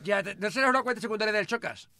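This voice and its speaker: Very high, panicky Spanish man. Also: rapid-fire, no room sound. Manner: panicky, stammering, whining and shouting. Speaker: roleplay host. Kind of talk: Minecraft roleplay chat.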